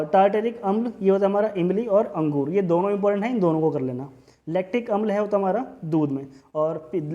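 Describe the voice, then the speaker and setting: A man's voice: sits high, dark tone, dull audio. A man teaching an exam revision lesson in a casual way, often saying "okay" and mixing in English terms. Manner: casual, repeats "theek hai", mixes English terms. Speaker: quiz teacher.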